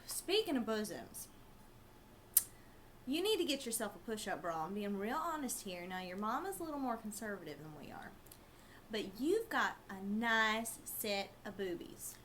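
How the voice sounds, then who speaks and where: A woman's voice: medium pitch, big pitch swings, normal speed, a bit bright, slight background noise. A woman playing a blunt, folksy older woman who confides bawdy advice in a comic monologue. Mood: confiding, frank. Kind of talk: comedic character monologue.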